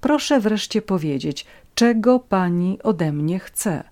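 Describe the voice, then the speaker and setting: A woman's voice: medium pitch, expressive, slow, a little mellow. Woman doing a proud, wounded young woman. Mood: defiant. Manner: tense, bitter, defiant.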